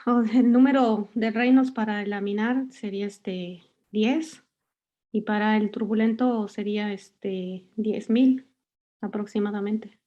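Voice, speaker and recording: A woman's voice: medium pitch, fairly even intonation, measured pace, dull audio. A young woman with a Mexican Spanish accent, a student answering questions hesitantly over a video call. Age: young adult. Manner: hesitant, many fillers. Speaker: student presenter.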